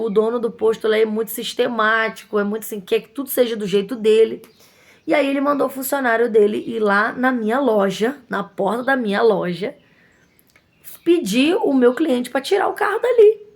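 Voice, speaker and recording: Woman shop owner, fairly high gravelly voice, animated indignant storyteller. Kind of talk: casual storytelling to viewers.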